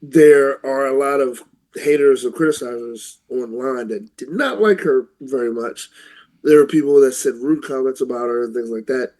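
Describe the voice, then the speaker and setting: A man's voice: mid-range voice, moderate pace, a little mellow, rough recording. A man co-hosting a casual talk show, giving informal opinions and rephrasing as he goes.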